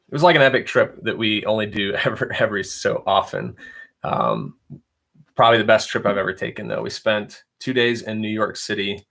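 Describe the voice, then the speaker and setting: Chatty low-voiced man hosting a livestream. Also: vocal fry, fairly bright tone. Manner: chatty, rambling, reads viewer questions aloud. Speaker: reseller livestream host. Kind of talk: casual live stream chat.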